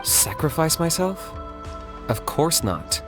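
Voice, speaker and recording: A man playing a calm, thoughtful young tribal warrior in a video game, measured, understated and sincere. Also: fairly high pitch, over music. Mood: wry, composed. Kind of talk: video game character acting.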